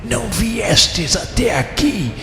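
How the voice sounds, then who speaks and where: A tyrannical spirit judge from a netherworld radio play. His high voice swoops widely through slow, pompous declamation, wrathful and commanding, inside a long echoing hall. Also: lively intonation, gravelly, full character voice. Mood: haughty, condemning. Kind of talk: radio drama acting. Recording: echoey long hall reverb, music underneath.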